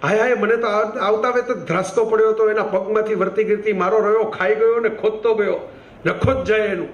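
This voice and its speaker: Guy doing a fussing old maid, alarmed and wailing, highish voice, echoey room. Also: steady tone, fairly quick, highs cut off. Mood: anxious. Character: fretful old female housemaid.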